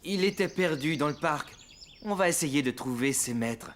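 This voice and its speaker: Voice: medium pitch, expressive, normal speed, slight background noise, close to an everyday voice. An actor playing a kind, patient young father in a children's cartoon, over music. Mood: cheerful. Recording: loud cartoon music underneath.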